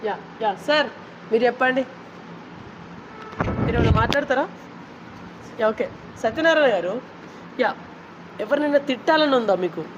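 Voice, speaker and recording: A man's voice: very high-pitched, moderate pace, pauses often. A man with a Telangana Telugu accent, a reporter probing interviewees in a street interview, pressing for names. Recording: dull lo-fi outdoor audio with traffic noise.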